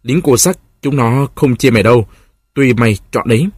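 A coarse, menacing older prison warden, read by a man with a husky voice. The audiobook sound is dry and close. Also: mid-range voice, a little fast, dry recording, close to an everyday voice. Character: cruel older male prison warden, threatening.

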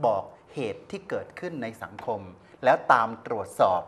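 A man's voice: medium pitch, big pitch swings, moderate pace, a bit bright. An older man co-hosting a news talk show, blunt and sarcastic with coarse words. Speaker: news commentator.

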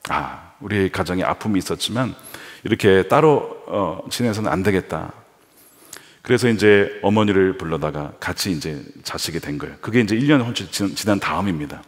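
A male pastor preaching a sermon with animated delivery, acting out the voices he quotes. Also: deep voice, normal speed. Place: large church sanctuary. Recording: reverberant church hall.

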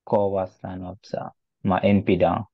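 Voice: low voice, level tone, no room sound, phone-quality sound. A language learner in an online Finnish class, speaking hesitantly with many restarts.

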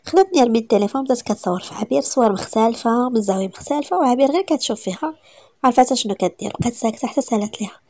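Whispered role-play storyteller, Moroccan woman, husky voice, dry close sound. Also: a little high, warm tone, dry recording. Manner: rapid intimate storytelling.

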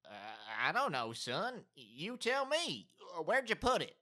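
A man acting a high-voiced, alarmed farmer dad. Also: wildly swooping pitch, takes it slowly, sharp tone, full character voice. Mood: puzzled. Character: folksy, easily alarmed farmer father. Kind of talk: amateur audio drama acting.

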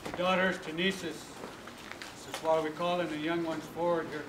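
A middle-aged man giving a ceremonial public address outdoors in measured, halting phrases, picked up by a camera a few metres away. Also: a little high, little pitch movement. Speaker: ceremony speaker. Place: outdoors in an open paved yard. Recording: noisy outdoor camera recording.

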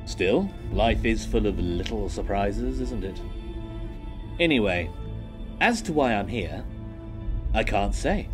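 A man's voice: fairly low pitch, lively intonation, slow pace, pauses often. A man playing a flamboyant, sardonic time-travelling villain in an audio drama, mocking and theatrical. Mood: smug, mocking. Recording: music behind.

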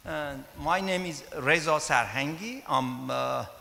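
A middle-aged man from Iran with a Persian accent, giving an informal conference talk in a halting, hesitant way. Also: fairly high pitch, gravelly, bright, forceful tone. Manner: hesitant, halting delivery with frequent pauses. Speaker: mathematics professor and conference speaker. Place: large conference hall, indoors at a podium. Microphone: handheld microphone. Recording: echoey hall with long reverb.

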